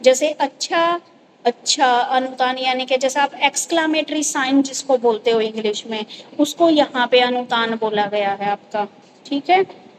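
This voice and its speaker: High-voiced woman teacher explaining patiently. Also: normal speed, background noise. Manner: explains patiently, often checks in with the listener. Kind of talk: explaining grammar to students.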